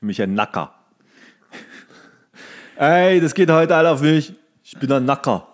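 A man's voice: a little high, lively intonation, a little slow. A man co-hosting a podcast, chatting casually with slangy, crude humour. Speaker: podcast co-host. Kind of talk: casual comedic chat.

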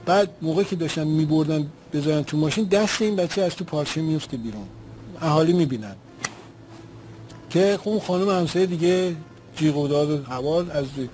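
A man's voice: fairly high pitch, mellow, rough recording. A man giving spoken testimony as an eyewitness, retelling events in an earnest, vivid way.

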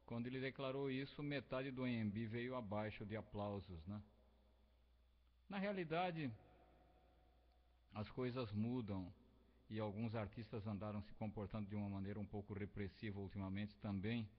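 An older Brazilian man talks at a studio microphone in a small home room, in a rambling, reflective, unhurried monologue. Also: on the low side. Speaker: home radio host and musician. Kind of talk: casual spoken monologue. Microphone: large studio microphone close up. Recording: dull lo-fi webcam recording with loud music.

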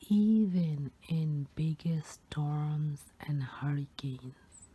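A woman softly whispering a soothing pep talk of first-person affirmations, as in an ASMR meditation, in a breathy voice. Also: low voice.

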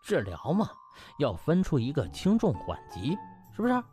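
Man playing cocky young doctor, very animated. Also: fairly high pitch, normal speed, faint music behind. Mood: condescending. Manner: chatty, mock-humble, needling.

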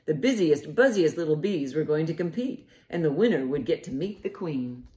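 Expressive woman reading storytime, lowish voice. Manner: expressive, deliberate, child-directed. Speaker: library storytime host. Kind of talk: animated children's storybook reading. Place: living room, indoors by a fireplace. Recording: roomy living-room echo.

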